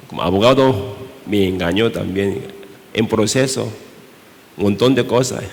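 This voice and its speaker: A man from Korea with a Korean accent, preaching a sermon in Spanish as pastor, halting, with many rhetorical questions. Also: fairly low pitch, vocal fry, a little hiss or hum. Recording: reverberant church hall.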